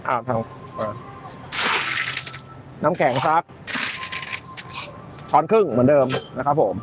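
A man's voice: mid-range voice, lively intonation, slow pace, noisy background. A man hosting a casual home cocktail-making demo, chatty and joking, often repeating his words. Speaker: host.

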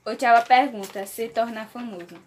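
A woman reads short quiz questions off a list in a brief, matter-of-fact way. Her voice sits a little high. A steady hiss of noise runs under the home video recording. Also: normal speed. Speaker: producer reading the questions.

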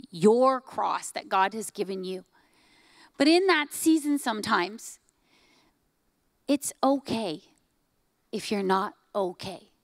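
A woman in her forties preaching a sermon on a church stage into a handheld mic, emphatic, often dropping to hushed lines. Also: a little high, no echo, studio quality. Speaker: pastor. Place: church stage, large hall.

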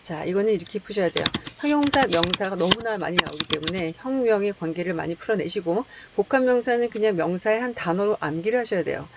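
Korean English-test teacher lecturing on grammar. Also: female voice, mid-range voice, expressive, fast talker, few pauses, lo-fi sound, background noise. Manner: explains step by step, asks the class questions then answers them. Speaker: English test prep instructor. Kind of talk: recorded lecture.

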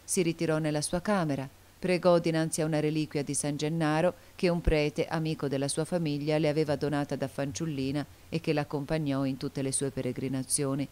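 Low, mellow-voiced woman narrating a novel. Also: level tone, brisk, few pauses, clear, resonant tone. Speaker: audiobook narrator. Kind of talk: literary audiobook narration.

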